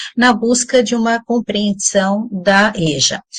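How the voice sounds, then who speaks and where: Somewhat breathy, the woman's voice moves with ordinary pitch variation. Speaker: university lecturer and researcher. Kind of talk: online lecture.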